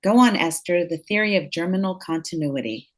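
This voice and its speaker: A woman's voice: on the low side, a little fast, lightly acted. A woman playing an earnest, hopeful ghetto wife and teacher in a stage drama, speaking emphatically. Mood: firm, earnest.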